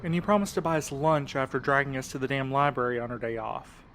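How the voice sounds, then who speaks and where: A man's voice: mid-range voice, fast, fairly bright tone, a little hiss or hum, natural voice. A man acting in an audio drama as a cautious, exasperated and sardonic young sleuth with a wry, insistent manner.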